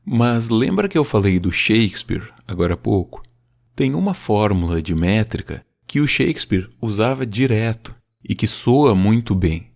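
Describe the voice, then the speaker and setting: A man hosting a podcast, explaining poetic rhythm in a relaxed, teacherly way and slowing down to stress the beat of his examples. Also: lowish voice, vocal fry. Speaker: podcast host. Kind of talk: casual explanatory talk about poetry.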